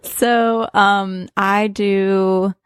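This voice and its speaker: A woman chatting casually as an improv performer and guest, halting as she thinks aloud. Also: mid-range voice, flat delivery, clear, resonant tone. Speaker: improv comedian and actor, podcast guest. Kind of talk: casual chat.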